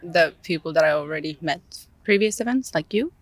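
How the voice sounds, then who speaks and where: A woman's voice: deep voice, lively intonation, brisk, no room sound. A young woman from Finland speaking English as a second language, cheerful and giggly. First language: Finnish. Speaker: interview guest. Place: outdoors in the shade.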